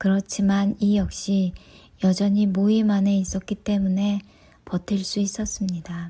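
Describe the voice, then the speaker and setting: The speaker talks at a fairly slow pace in a very clean recording with a silent background. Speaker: recovering alcoholic sharing experience. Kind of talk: testimony.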